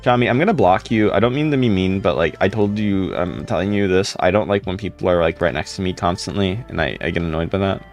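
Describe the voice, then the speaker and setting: Young male streamer, deep gravelly voice, laid-back rambling chat, faint music behind. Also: quick pace, hardly any pauses. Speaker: live streamer. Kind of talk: casual live stream chat, reading comments.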